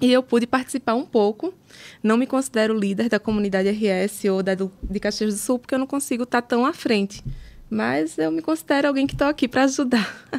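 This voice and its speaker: Speaking with a Recife accent at a fairly quick pace, the voice has lively intonation and a dry, close sound with no echo. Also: woman, fairly high pitch for a woman. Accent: Recife (Pernambuco). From Recife, Pernambuco, Brazil. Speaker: accountant and startup community organizer. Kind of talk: podcast interview.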